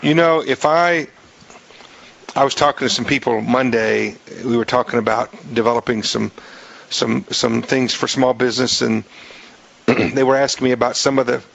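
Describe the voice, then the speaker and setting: Raspy-voiced male radio host. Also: mid-range voice, fairly even intonation, moderate pace, a bit bright, lo-fi sound. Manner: jokey, rambling with many restarts. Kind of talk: casual radio interview.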